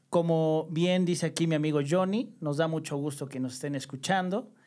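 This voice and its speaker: At a moderate pace, a man speaks in a fairly high voice with ordinary pitch variation, captured on a very clean recording with a silent background. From southern Veracruz, Mexico. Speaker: entrepreneur, podcast co-host. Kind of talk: casual chat. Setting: studio.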